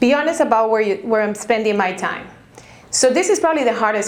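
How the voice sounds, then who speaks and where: Through audible room echo and noticeable background noise, a woman speaks at a fairly high pitch with ordinary pitch variation. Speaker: real estate agent. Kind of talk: conference presentation. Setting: stage with audience. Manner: fast.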